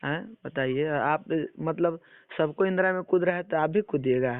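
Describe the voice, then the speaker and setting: A man's voice: a little high, moderate pace, dry recording. Man questioning over a tinny phone line. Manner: admonishing, persistent questioning. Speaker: interviewer for an entertainment channel. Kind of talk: informal phone interview. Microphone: phone call. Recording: tinny phone call recording.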